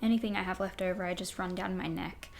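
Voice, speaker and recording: A woman in her twenties with a husky voice, chatting casually and rambling cheerfully as a beauty vlogger in a small white room at home. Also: lowish voice, fairly even intonation, fast, reverberant, soft background music. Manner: bubbly, rambling, self-mocking with laughs. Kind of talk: casual chatty makeup tutorial.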